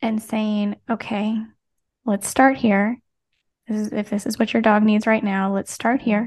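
Somewhat breathy and fairly high-pitched, a woman speaks at a fairly slow pace in a monotone, flat intonation. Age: 40s. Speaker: podcast host and pet health coach. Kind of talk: casual interview chat.

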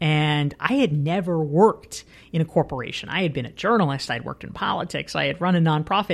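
Here is a woman with a plain, everyday voice and an American accent. Her pitch is fairly low and her pace fairly quick. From US South, North Carolina. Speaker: author and business speaker. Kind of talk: interview. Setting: studio.

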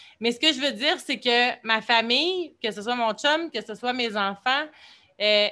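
A woman's high, bright, sharp voice in a Quebec accent, fairly slow with ordinary pitch variation, over a quiet background. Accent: Québécois French. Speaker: personal development coach. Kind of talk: casual chat. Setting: outdoors on a terrace.

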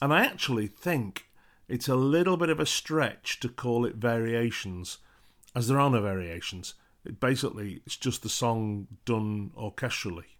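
Lively intonation from a man with an English accent, medium pitch and moderate pace, on a very clean recording with a silent background. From England. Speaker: podcast host and internet radio presenter. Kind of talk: solo music review podcast. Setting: home recording. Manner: hesitant, many fillers.

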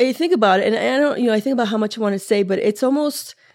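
A woman's pitch varies in an ordinary way on a very clean recording with a silent background. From Queens, New York. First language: Spanish. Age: 50s. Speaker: Spanish teacher and fitness instructor. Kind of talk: casual interview, storytelling. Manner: halting, many fillers.

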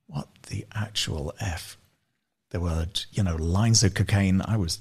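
In a very clean recording with a silent background, a man with a London accent speaks in a somewhat breathy voice, very deep and low in pitch. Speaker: songwriter and entrepreneur. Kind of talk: interview. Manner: halting.

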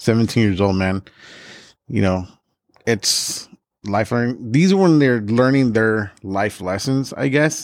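A man with an American accent speaks at medium pitch and a very slow pace, with ordinary pitch variation and long, frequent pauses. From Los Angeles. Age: middle-aged. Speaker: tattoo artist and podcast co-host. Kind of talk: casual chat.

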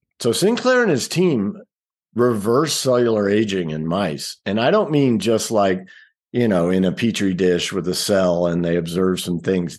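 Over a quiet background, a man with an American accent talks at a fairly slow pace. He has a normal speaking voice and a fairly low pitch. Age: 50s. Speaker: digital entrepreneur and writer. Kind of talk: interview.

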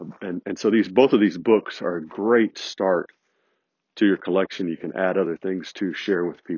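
A man with a very deep, low voice speaks at a moderate pace, his loudness swinging widely. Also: ordinary pitch variation. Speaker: podcast host. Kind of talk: casual commentary monologue. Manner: halting, many fillers.

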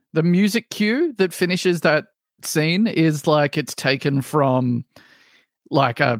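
On a very clean recording with a silent background and a dry, close sound with no echo, a man with an Australian accent speaks with ordinary pitch variation. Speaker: podcaster. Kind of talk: casual chat.

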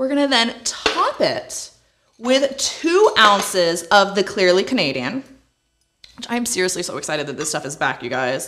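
A woman with a medium pitch speaks at a moderate pace. Her pitch swings very widely, and her loudness changes sharply. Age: 40s. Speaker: podcast host, makeup artist. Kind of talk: casual chat. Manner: animated.

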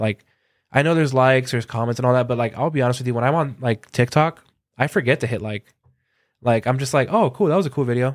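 Speaking very fast with an American accent, a man with a medium pitch comes through on a very clean recording with a silent background. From Southern California, Orange County. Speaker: photographer, videographer and bassist. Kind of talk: casual chat.

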